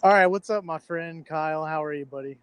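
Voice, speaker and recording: A man's voice: fairly high pitch, a little fast, fairly bright tone, smooth, no room sound, faint music behind. A young American man in his twenties from Florida, hosting a casual podcast chat and interviewing a guest. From Florida, United States.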